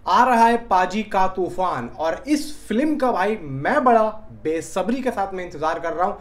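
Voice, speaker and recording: A man's voice: high voice, expressive, moderate pace. Chatty man hosting film updates. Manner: colloquial, chatty, addresses viewers as brother. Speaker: film news YouTuber and host. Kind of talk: casual film-update commentary to fans.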